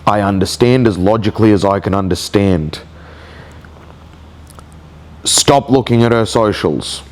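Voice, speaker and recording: A vlogger records a personal video diary, speaking slowly, haltingly and reflectively with many restarts. He has a cold that makes his nose sound blocked, and his voice is fairly low with a darkish tone.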